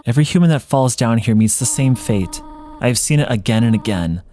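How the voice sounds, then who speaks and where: A man voicing a gentle, doting motherly woman monster from a video game, with a hesitant, fussing, tender manner. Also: mid-range voice, expressive, brisk, lightly acted. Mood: grave, stern. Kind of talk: video game character read-along.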